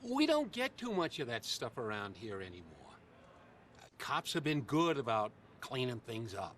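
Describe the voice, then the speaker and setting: A man's voice: mid-range voice, big pitch swings, normal speed, fairly bright tone, far from the mic, a little hiss or hum. An actor playing a kindly, plainspoken older working-class man in a video game, sentimental and hesitant, with folksy, ungrammatical phrasing. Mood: matter-of-fact, helpful. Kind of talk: video game dialogue acting.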